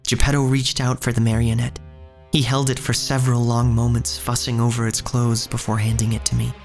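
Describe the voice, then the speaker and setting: An actor playing an earnest, uneasy young shop boy, narrating his own story in a measured, literary way. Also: medium pitch, flat delivery, gravelly, faint music behind, lightly acted. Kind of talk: first-person scripted narration in audio drama.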